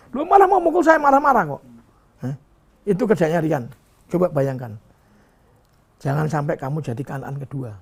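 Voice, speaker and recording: A man's voice: sits high, darkish tone. Older man, emphatic and preachy. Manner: emphatic, preachy, scolding tone with many rhetorical questions. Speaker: bus company owner. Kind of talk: candid interview.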